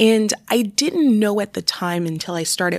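A woman with an American accent and an unremarkable speaking voice talks at a fairly slow pace with ordinary pitch variation. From Ohio, US, after childhood in Germany. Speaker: corporate diversity director. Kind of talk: interview conversation. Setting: in person at a hotel during a conference.

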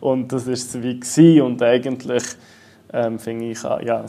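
Flat and monotone, a man with a medium pitch speaks at a moderate pace. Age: 30s. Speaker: teacher. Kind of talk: interview.

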